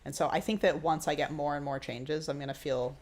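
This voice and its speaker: Podcast co-host, trans man early on testosterone, high voice just beginning to drop, easygoing and laugh-prone. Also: fairly even intonation, a little fast. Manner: upbeat, laughs often. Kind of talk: casual chat.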